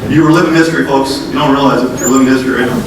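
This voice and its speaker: A state transportation official addresses a conference audience in a conference room, talking casually and directly and calling them "folks," though a cold is wearing his voice down and he's losing it. He speaks very fast with a steady tone at medium pitch. The hall is echoey, the mic distant, and the recording noisy.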